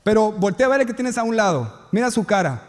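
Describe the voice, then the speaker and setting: A man's voice: high voice, sing-song, brisk, long reverb tail. A male pastor preaching a sermon, telling stories and acting out the characters' lines.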